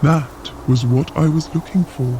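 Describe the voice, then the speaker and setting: An actor playing a proud, solemn frost giant guide in an audio drama, speaking formally and earnestly. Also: male voice, a little high, fairly even intonation, dark tone, slight background noise. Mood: grave. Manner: formal, measured, earnest speech. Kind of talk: scripted audio drama acting.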